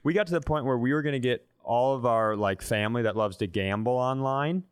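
A man's voice: medium pitch, fairly quick, clear, resonant tone, no room sound, studio quality. A man co-hosting a comedy podcast, telling casual stories in an irreverent, profane way.

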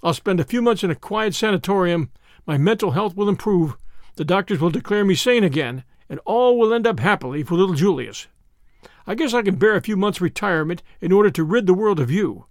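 A man's voice: high-pitched, lively intonation, a little fast, dry recording, studio quality. A man voicing a young American who threatens cheerfully and cockily in a drawl, in storybook dialogue. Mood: cool menace. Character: cocky, menacing young American man with revolver. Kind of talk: dramatised audiobook dialogue.

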